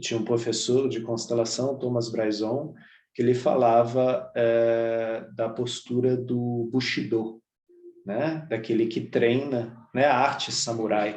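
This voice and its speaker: Very slow speech from a man at medium pitch, monotone, flat intonation, and audible room echo. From Brazil. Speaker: study group facilitator. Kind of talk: online study group discussion.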